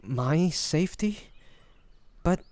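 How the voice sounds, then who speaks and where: Guy acting as a sweet devoted best friend in a fantasy roleplay, young man, talks slow n soft-hearted, lots of sighs and pauses. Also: on the high side, expressive, dry recording. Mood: pleading, upset. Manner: gentle, halting, emotive, with sighs and pauses. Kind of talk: intimate fantasy audio roleplay addressed to the listener.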